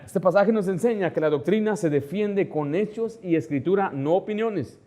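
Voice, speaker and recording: Fairly high-voiced male pastor preaching. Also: normal speed. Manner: conversational preaching, asks congregation to follow along; rises louder and higher when stressing a point. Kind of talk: sermon.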